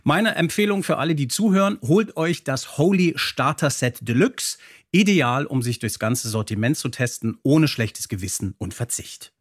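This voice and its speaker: A man's voice: a little high, lively intonation, moderate pace. A man hosting a podcast, presenting and reading prepared text in a polished way. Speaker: podcast host.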